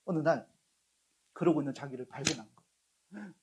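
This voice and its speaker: A man's voice: a little high, moderate pace, a crowd in the background. A middle-aged man preaching a sermon as a pastor, telling stories and putting questions to the congregation. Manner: storytelling with acted quotes, asks the congregation questions.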